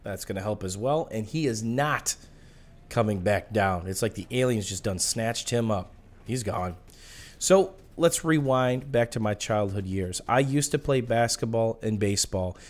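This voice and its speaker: A short-winded man with a smoker's rasp and audible breathing, casually telling personal stories over video game commentary. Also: medium pitch, a little mellow. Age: adult. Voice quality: raspy smoker's-cough sound. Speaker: gaming video host.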